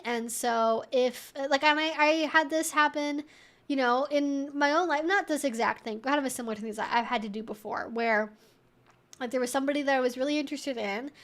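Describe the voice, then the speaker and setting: A woman's voice: high-pitched, fairly bright tone. A woman hosting a casual advice livestream, answering questions in a conversational, rambling way peppered with "like" and "you know".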